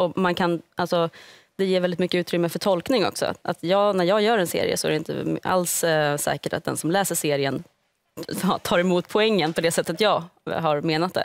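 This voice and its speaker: A woman's unremarkable speaking voice, fairly low-pitched, at a fairly quick pace with fairly even intonation and a dry sound with no echo. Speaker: cartoonist. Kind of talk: TV talk show interview. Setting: TV studio. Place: studio. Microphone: headset.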